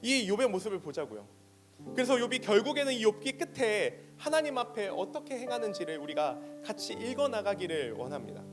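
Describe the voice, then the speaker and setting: A young man preaches with a high, lively voice that swoops up and down. He speaks earnestly to a youth congregation and presses harder when he acts out people complaining to God. Soft guitar plays underneath him. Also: fairly quick. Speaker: junior pastor. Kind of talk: sermon. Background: soft guitar music.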